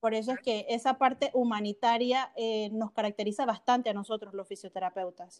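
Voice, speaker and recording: A woman talks at a fairly quick pace in a fairly high pitch with fairly even intonation, an ordinary speaking voice. The sound is dry and close with no echo, over a quiet background. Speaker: physiotherapist. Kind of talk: interview.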